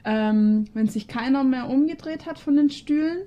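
A woman's voice: high-pitched, normal speed, dark tone, highs cut off. A woman co-hosting a casual podcast chat, talking in a chatty, teasing way. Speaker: podcast co-host.

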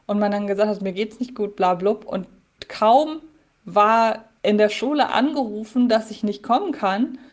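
A woman's voice: medium pitch, normal speed. Woman cohosting a chat podcast, middle voice, rambles and pokes fun at herself. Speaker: podcast co-host. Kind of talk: casual chat.

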